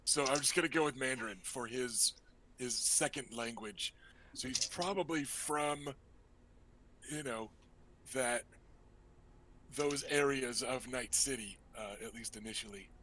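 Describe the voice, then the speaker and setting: A man's voice: mid-range voice, unhurried, pauses often, pushed and bright, slight background noise, rough recording. A man playing in a tabletop game, chatting and joking as he explains his character choices at length. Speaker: player. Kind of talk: casual chat, building a character.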